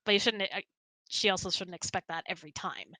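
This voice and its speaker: A woman's voice: on the low side, brisk, sharp tone, no echo. A woman hosting a casual question-and-answer chat, speaking in an informal, rambling and emphatic way. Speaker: host of a live Q&A. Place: close-miked online voice chat, dry.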